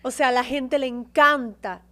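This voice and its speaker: Woman, higher voice, expressive, storytelling, interview guest. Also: moderate pace. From Dominican Republic. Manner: expressive storyteller, emotional about home. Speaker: guest, actress and TV presenter. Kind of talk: casual interview chat.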